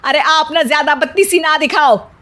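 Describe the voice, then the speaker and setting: A woman's voice: sits high, normal speed, bright, forceful tone. Bossy mother-in-law, voiced by a woman. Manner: scolding, bossy. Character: bossy timid middle-aged mother-in-law.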